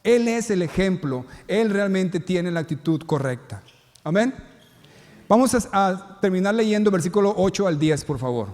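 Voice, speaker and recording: High-voiced male pastor preaching in a hall. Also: expressive, moderate pace, a little mellow. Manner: storytelling preacher acting out characters' lines. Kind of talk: sermon.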